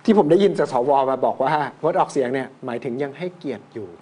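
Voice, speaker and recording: A man's voice: mid-range voice, fast, warm tone, husky. A man co-hosting a news talk show, chiming in briefly and adding facts he has heard. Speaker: co-host. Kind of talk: casual chat.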